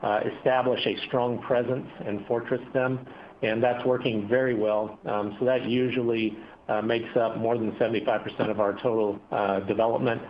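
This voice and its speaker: A man's voice: medium pitch, level tone, moderate pace. Man on a dull, noisy conference call. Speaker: company executive. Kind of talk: earnings call answers to analysts.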